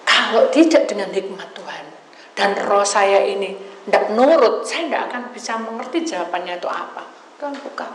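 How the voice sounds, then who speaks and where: A woman pastor, preaching a sermon with lively storytelling, calling the congregation brothers and sisters and dropping into hushed asides. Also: mid-range voice, moderate pace, reverberant, low-quality recording.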